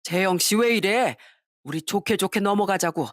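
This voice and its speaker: A pushy older office boss wheedles and begs his way out of trouble, as a woman acts him out. The voice is medium in pitch, recorded dry and close. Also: normal speed, dry recording, lightly acted. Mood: pleading. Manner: wheedling, excusing himself.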